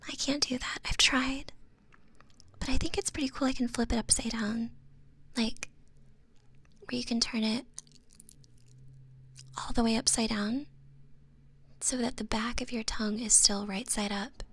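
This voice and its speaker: A woman's voice: a little high, steady tone, a little slow, pauses often, a bit bright, breathy edge. A woman streamer whispering playfully and teasingly to her chat, close to the microphone. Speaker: VTuber streamer. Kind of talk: whispered ASMR-style live stream chat.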